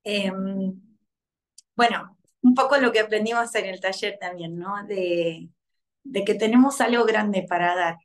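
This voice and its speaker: A thirties woman talks over a laptop mic on a video call from her home living room. She speaks softly and reflectively, pausing on fillers and restarting her sentences. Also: mid-range voice. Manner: soft, hesitant, many fillers and restarts. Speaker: workshop participant, mother.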